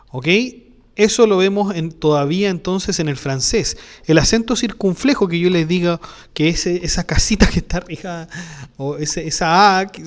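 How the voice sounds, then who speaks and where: A man hosting a philosophy channel, explaining a topic in a patient lecture style and often checking in with his listeners. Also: sits high.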